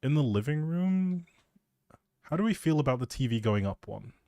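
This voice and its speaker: Male streamer, soft mellow tone, casual teasing ramble, close dry mic. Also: medium pitch, lively intonation, normal speed, no room sound. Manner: playful, teasing, thinking aloud. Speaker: live streamer.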